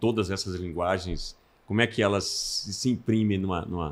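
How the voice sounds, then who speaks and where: A man with a very deep, low voice talks at a moderate speed, his pitch varying in an ordinary way. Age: 50s. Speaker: podcast host and actor; podcast host, actor. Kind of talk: casual interview chat. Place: studio. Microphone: studio mic.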